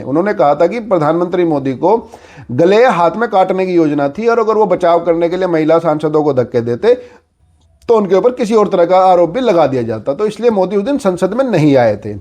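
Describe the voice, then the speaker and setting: A man's voice: high voice, mellow. A man giving informal political news commentary, explaining conversationally with repeated filler phrases.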